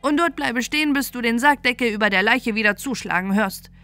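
A woman's voice: fairly high pitch, brisk, bright, forceful tone, soft background music. A woman voicing a mysterious little man in a fairy tale, giving stern, emphatic orders. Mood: instructing. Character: little mysterious male manikin, commanding and stern.

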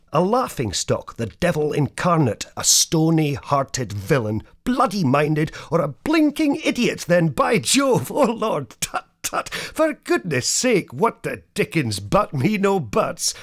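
A man's voice: fairly high pitch, big pitch swings, unhurried, few pauses. A man who works as a voice-over actor, reading scripted ads, verse and prose in a polished, theatrical way. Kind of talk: voice-over demo reel of ads, poems and dramatic readings.

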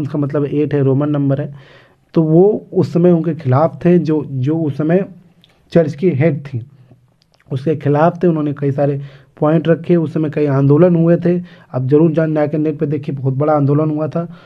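A man teaching an exam lesson on English literature, reading English passages slowly and explaining them with many hesitations. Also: on the high side. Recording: dull lo-fi recording.

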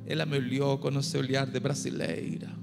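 A middle-aged man from Chile with a Chilean Spanish accent, preaching a humorous sermon into a handheld mic on a church stage and urging the crowd to shout. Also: mid-range voice, level tone, moderate pace, creaky. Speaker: guest pastor. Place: large dark church stage. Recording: long hall reverb with music behind.

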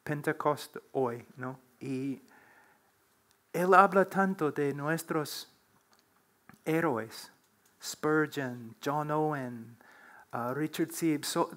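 Slow, earnest man preaching on a panel. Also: a little high, a bit bright. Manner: slow, earnest, preacherly, building to emphatic exhortation. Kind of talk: answering questions on a church panel. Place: church platform, seated before a large wooden cross.

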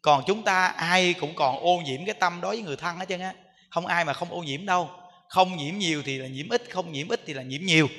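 A man preaches as a monk, his voice high and bright as it rings through a long reverberant hall. He talks to his listeners in an easy way and keeps asking them rhetorical questions. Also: fairly quick. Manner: conversational, rhetorical questions to the audience. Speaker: Buddhist monk giving a dharma talk. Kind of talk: sermon to lay followers. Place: temple hall.

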